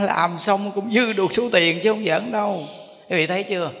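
A man, a Buddhist monk, telling a story in a sermon, animated and acting out voices. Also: high voice, normal speed, gravelly. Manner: animated, acts out voices, chuckles often. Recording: reverberant hall.

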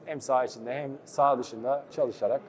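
A man's voice: medium pitch, steady tone, a little fast. A young man speaking earnestly as a goalkeeper in a post-match interview.

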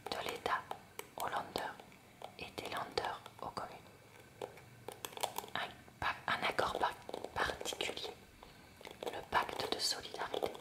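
A woman reads a school lesson in a fully unvoiced ASMR whisper, slow and careful. Her whisper has a gravelly edge and rises and falls widely. She sits a little back from the microphone. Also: very high voice, distant mic. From France. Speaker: ASMR creator. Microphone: close mic near hairbrush on a table.

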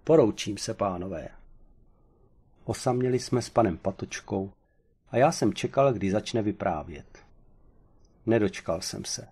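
Husky low-voiced male storyteller. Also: a little mellow. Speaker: audiobook reader. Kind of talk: first-person storybook narration.

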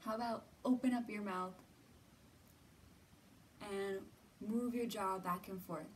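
A woman in her thirties gently guiding young children through a lesson, asking simple encouraging questions and pausing often. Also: mid-range voice, fairly even intonation. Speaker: children's storytime host. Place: indoor library room with bookshelves. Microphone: camera a few feet away. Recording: distant mic, roomy ambient noise.

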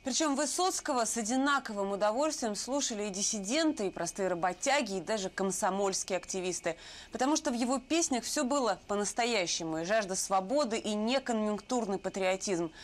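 A woman in her thirties reading the news from a television studio, even and formal. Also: mid-range voice, brisk. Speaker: news anchor.

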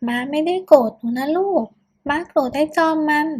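A woman's voice: sits high, moderate pace, a little mellow, voice pushed up, close to an everyday voice. A woman voicing a stern but doting middle-aged mother who soothes a crying young man. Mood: soothing. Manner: scolding, then soothing.

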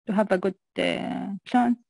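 Gravelly young woman from Jordan. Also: medium pitch, a little slow, a little mellow, no room sound, studio quality. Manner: hesitant, polite. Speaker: student.

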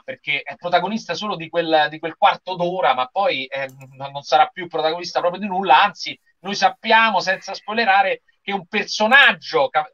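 A man's voice: high voice, sharp tone. A man, chattily hosting a casual livestream with enthusiasm. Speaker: live show host. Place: small indoor room with shelves of figurines. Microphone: video call. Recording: dull lo-fi video-call audio.

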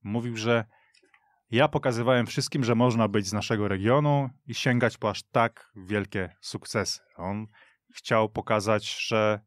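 A man with a lowish voice speaks as a radio studio guest and runs smoothly through lists of players and facts. The recording is close and dry, with no room echo around him. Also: a little slow. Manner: fluent, reels off lists of names and details. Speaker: radio show guest, football pundit. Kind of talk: casual sports discussion.

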